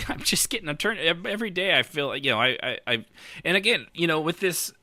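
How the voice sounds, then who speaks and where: A middle-aged man hosting a casual podcast with a very bright, forward voice. His pitch moves around in a lively way and he rambles, breaking off and restarting as he thinks aloud. The sound is dry and close. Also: moderate pace, no room sound. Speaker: podcast host. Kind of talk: casual conversational podcast chat.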